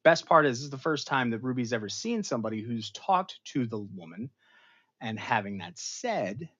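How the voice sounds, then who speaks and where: A man hosting an online show, casually recapping a television episode for his live chat in an animated, storytelling manner with sudden dramatic outbursts. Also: medium pitch, normal speed. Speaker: show host reviewing an episode.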